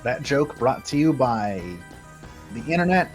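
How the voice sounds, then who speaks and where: A man's voice: medium pitch, animated, a little slow, faint music behind. A man giving wry, joking, casual commentary while playing a video game. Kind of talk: casual joking chat over gameplay.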